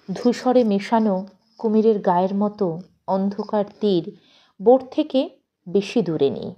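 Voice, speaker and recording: A woman narrating a literary audio story in an expressive, measured, dramatic way. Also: mid-range voice.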